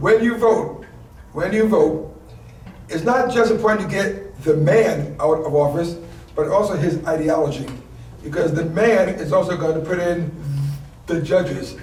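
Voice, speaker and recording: Amid noticeable background noise and audible room echo, a man speaks with a high pitch and ordinary pitch variation. His pace is moderate, broken by long, frequent pauses. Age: 60s. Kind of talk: political discussion. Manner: repetitive, stammering.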